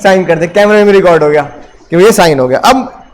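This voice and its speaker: Brief: male commerce teacher in a classroom, lively lecture full of rhetorical questions, high voice. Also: brisk, a little hiss or hum. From India. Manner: animated, fires rhetorical questions at students.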